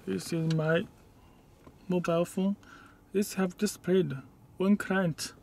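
A man who is not a native English speaker gives a step-by-step hands-on demonstration inside a car, in halting, short, simple phrases. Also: high voice, steady tone, gravelly, a little mellow, a little hiss or hum. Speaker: product demonstrator.

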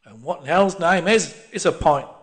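Man voicing brusque, loud barman, curt. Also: high-pitched, normal speed, pitched above the performer's own voice, lightly acted. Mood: scornful. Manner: short and dismissive. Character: curt, scornful male barman. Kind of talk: audiobook character voice.

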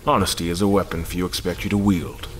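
A man playing a weary, calculating admiral in an audio drama, speaking gravely and deliberately with dry sardonic wit. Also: deep voice, fairly even intonation, slight background noise, close to an everyday voice.

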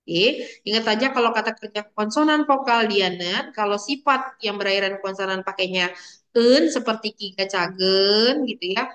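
A woman's voice: medium pitch, moderate pace, fairly bright tone. A young adult woman teaching an online language lesson, chatty and playful, calling on her students by name.

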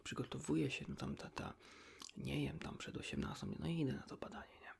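Casting: male ASMR host, hushed whisper with heavy gravelly fry, informal and confiding. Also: mid-range voice, fairly even intonation, a little fast. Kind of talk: ASMR, whispered casual chat with the listener.

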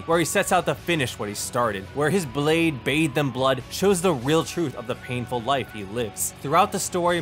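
A man's voice: fairly high pitch, a bit bright. A man narrating a scripted video game review with dramatic, emphatic phrasing and wry, casual asides. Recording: voice-over with music behind. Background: background music.

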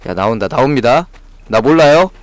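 A man's voice: medium pitch, lively intonation, brisk, dry recording. A male game streamer giving frantic live commentary on a horror game, jumpy and swearing at the scares.

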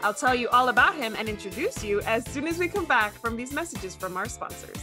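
A woman in her thirties from Ecuador, a native Spanish speaker with a slight accent, hosting a casual video-call chat in an upbeat, animated way. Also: on the high side, brisk, music in the background. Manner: bubbly, animated, laughs often. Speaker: host. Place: home studio with shelves.

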